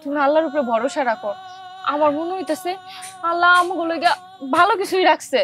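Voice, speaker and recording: A woman's voice: high-pitched, animated, fairly quick, a bit bright. A woman playing a devout, consoling village wife. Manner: pleading, consoling. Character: devout caring village wife, middle-aged. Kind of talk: television drama acting.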